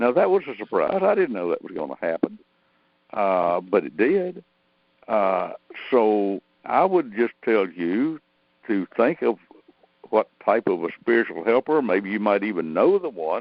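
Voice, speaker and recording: This man has an American accent and speaks at a moderate pace. Long, frequent pauses run through his delivery. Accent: hillbilly. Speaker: dowser. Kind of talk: Q&A webinar talk. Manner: folksy storytelling.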